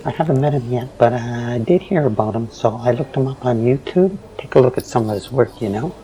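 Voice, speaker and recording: An actor playing a cynical, fearful newsroom worker in an audio drama, cautioning and lecturing in a hushed manner. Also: male voice, medium pitch, a little fast, slight background noise, natural voice, poor audio. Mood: wary. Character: cynical, fearful male newsroom worker who obeys management.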